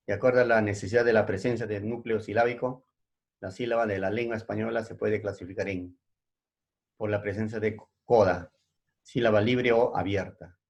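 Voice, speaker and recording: Slow, low-voiced male teacher. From Peru. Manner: slow, repeats points and checks in with "¿ya?". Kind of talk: recorded language lesson.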